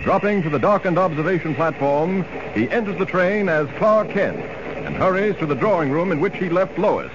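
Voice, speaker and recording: A man's voice: sits high, sing-song, normal speed, muffled recording, background noise. A male narrator giving declamatory old-time radio drama narration. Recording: old radio recording with music under.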